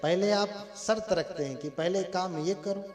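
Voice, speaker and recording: A man's voice: high-pitched, moderate pace. A Buddhist monk telling a story as a sermon. He keeps asking his audience questions. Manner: animated storyteller who addresses the audience with questions. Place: large hall with a live audience. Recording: echoey hall with faint music.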